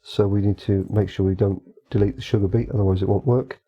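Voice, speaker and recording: A man calmly walking through a software modding tutorial, explaining each step methodically. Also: on the low side, quick pace, dull audio. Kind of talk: screen-recorded tutorial walkthrough.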